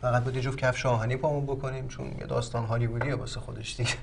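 A man's voice: mid-range voice, flat delivery, vocal fry, noisy background, natural voice. An actor playing a man in a film drama who lays out a plan with confident, persuasive instructions. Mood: instructive. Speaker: man advising on a legal plan. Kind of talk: Iranian film drama acting.

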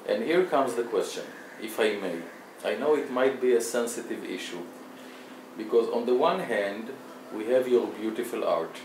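A man's voice: mid-range voice, moderate pace, darkish tone, far from the mic. Formal male interviewer in an echoey room. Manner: formal, flowery phrasing. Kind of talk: interview questions. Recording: echoey room, faint hiss.

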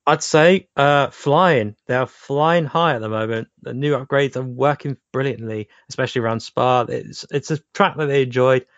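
A man's voice: medium pitch, normal speed, hardly any pauses, dry recording, muffled recording. A man on a motorsport podcast panel, hesitant and thinking aloud with fillers. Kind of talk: casual motorsport panel chat.

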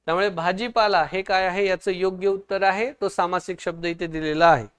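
A man teaching an online exam-prep lesson, quizzing viewers, urging quick answers and praising their comments. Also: high-pitched, steady tone, a bit bright, clean tone.

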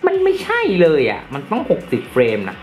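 A man reviewing tech gear, giving casual, excitable gameplay commentary to viewers in an air-conditioned room. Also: high voice, brisk. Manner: excitable, exclaiming often while playing. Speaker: tech reviewer testing phone games. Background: game music.

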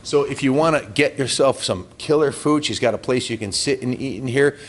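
A man's voice: mid-range voice, fairly quick. A man hosting a video visit to a small bakery, full of enthusiastic, effusive praise for the food. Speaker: video host. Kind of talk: casual chat. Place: small bakery shop, indoors.

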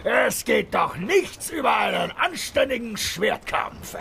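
A male actor playing a boisterous, impatient pirate captain, gravelly and imperious, in a comic radio play. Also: very high-pitched, big pitch swings, slow pace, pushed and bright, slight background noise, full character voice. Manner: bellowing, imperious. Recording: music bed under the voice.

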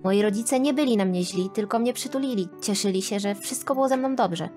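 A woman reading a scripted first-person animated story aloud, with expressive, dramatic storytelling. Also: medium pitch, brisk. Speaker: narrator. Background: faint background music.

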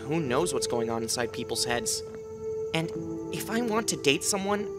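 A woman voicing an anxious, self-deprecating writer and hopeless romantic in a comic dub, with a dramatic, self-pitying manner. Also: very deep voice. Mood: gloomy, wistful. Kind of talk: comic dub voice acting with inner monologue. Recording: music bed under the voice.

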